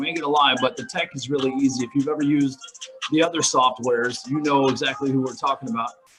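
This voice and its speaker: A man at a very fast pace, fairly high in pitch with ordinary pitch variation, music in the background. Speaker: podcast host. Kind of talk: casual show talk.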